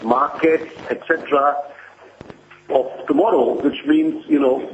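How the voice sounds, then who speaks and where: Higher-pitched man on a roomy conference line. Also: phone-quality sound, slight background noise. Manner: measured, explanatory, reassuring. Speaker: company executive answering analysts. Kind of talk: earnings call answers. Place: conference call.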